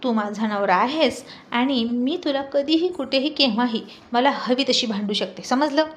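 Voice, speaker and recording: A woman's voice: high-pitched, moderate pace, lightly acted. A woman voicing a stubborn young wife who complains and insists. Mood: insistent.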